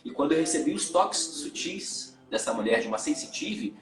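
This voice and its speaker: A man, a tantra and yoga teacher, telling his personal story as a guest in a live interview, candid and halting, often repeating words. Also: fairly high pitch, animated, reverberant, music in the background.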